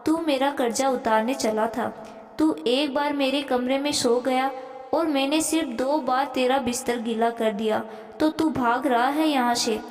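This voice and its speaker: Woman as gentle aging mother, high voice, echoey room. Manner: gentle, pleading. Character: aging mother, patient and soft-spoken. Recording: echoey room with long reverb.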